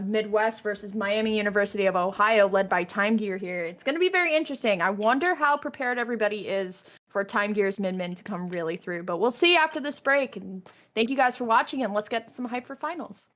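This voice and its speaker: A woman's voice: medium pitch, fairly bright tone. A young woman hosting a live esports stream, upbeat and full of fillers, interviewing players.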